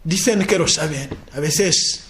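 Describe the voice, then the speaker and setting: A man preaching a sermon talk in a convent hall, animated, acting out people's replies, repeating and stammering. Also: fairly high pitch, unhurried. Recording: echoey room, faint noise.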